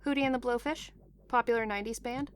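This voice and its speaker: A woman's voice: on the high side, steady tone, fast, soft background music, natural voice. A woman playing a brash, chatty captive with a sassy, casual manner, in an audio drama. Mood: coaxing, chatty.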